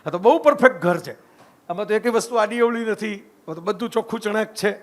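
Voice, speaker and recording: A man's voice: sits high, fast. A middle-aged man, giving a conversational lecture that mixes stories with reflection and often checks in with the audience. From Gujarat, India. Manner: conversational, keeps asking "right?" to the audience. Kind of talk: storytelling public talk.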